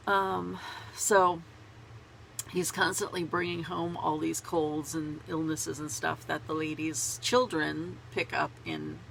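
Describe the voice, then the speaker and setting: Woman vlogger with a head cold: bright, gravelly, stuffy-nosed, rambling and laughing at herself. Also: sits low, animated, slow pace, slight background noise, rough recording. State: congested with a cold. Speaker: knitting vlogger. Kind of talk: casual chat to camera. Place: small home closet.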